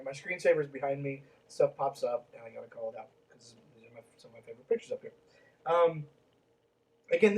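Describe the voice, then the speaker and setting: Male podcast host, fairly high voice, reads then riffs with profane sarcasm; sits a little away from the mic. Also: darkish tone, recorded from a distance, low-quality recording. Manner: sarcastic, swears freely, reads then interrupts himself. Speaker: podcast host reading and commenting on a book. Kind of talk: casual commentary while reading aloud.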